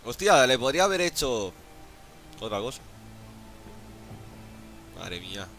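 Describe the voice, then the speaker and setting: A man giving excited gameplay commentary as a streamer, exclaiming, laughing and swearing often. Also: medium pitch, unhurried, faint music behind. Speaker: gaming streamer.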